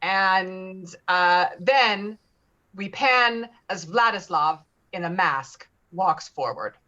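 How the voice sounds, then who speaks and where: A woman's voice: mid-range voice, extremely slow, bright, forceful tone, dull audio. A woman casually narrating stage directions in a virtual table read of a script.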